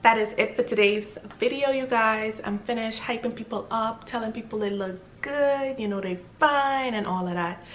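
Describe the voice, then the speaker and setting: A young woman from the Bahamas, chatting with strangers in a casual, bubbly, flattering way. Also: a little high, moderate pace, hardly any pauses. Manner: bubbly, flattering, laughs often. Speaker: vlogger. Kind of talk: casual video chat with strangers. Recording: echoey room, faint noise.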